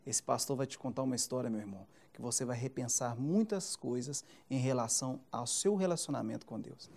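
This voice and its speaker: A man's voice: medium pitch, fairly quick, a little mellow. A man who is a pastor hosting a Christian TV interview program, talking emphatically and turning to viewers with preacherly asides. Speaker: pastor, TV show host.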